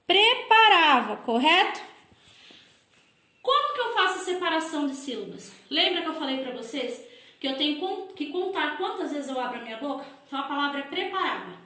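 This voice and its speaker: A woman with a Brazilian Portuguese accent, a primary school teacher giving a recorded lesson to children and sounding out words slowly, syllable by syllable. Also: high-pitched, big pitch swings, pushed and bright. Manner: slow, exaggerated syllable-by-syllable explanations. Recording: echoey room.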